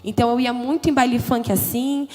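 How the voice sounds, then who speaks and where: Higher-voiced young woman, echoing hall. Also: fairly even intonation, fairly quick. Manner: candid, conversational, emotional, frequent "né?" tags. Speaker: testimony speaker. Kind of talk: personal testimony at a church youth congress. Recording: long hall reverb with faint music. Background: soft background music.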